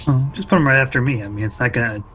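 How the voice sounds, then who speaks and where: Mid-pitched man in casual game-table talk. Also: racing, a bit bright, faint music behind. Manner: informal, conversational.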